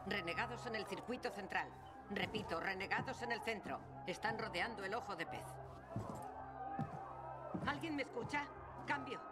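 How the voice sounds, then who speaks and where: A woman's voice: medium pitch, lively intonation, normal speed, pauses often. An actress voicing a female radio operator who calls all units over a radio transmission in clipped, urgent call-outs, in a dubbed video game. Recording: distant radio voice under loud music.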